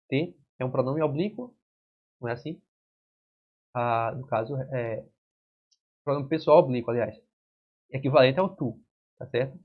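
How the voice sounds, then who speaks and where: A man's voice: mid-range voice, breathy edge. A male exam-prep teacher with a Brazilian accent, walking through verb conjugations at a whiteboard and checking in with students. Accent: Brazilian Portuguese. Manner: explains step by step with frequent "certo?" and "né?" checks. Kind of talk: whiteboard grammar lesson. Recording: dull lo-fi classroom recording.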